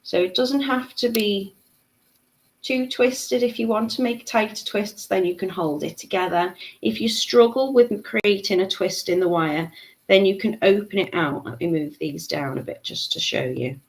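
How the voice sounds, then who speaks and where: A woman's voice: mid-range voice, moderate pace, poor audio. A woman, giving a live craft tutorial, chatting and laughing as she reads out viewer comments. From Liverpool, England. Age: 30s. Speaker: beading tutor.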